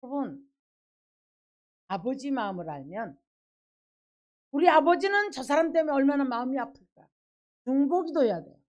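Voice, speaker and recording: Woman pastor, middle-aged, high voice, emphatic preaching style that voices quotes. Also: very animated, moderate pace, pauses often, a little mellow. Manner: preaches with acted quotes and emphatic rhetorical questions. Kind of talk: sermon.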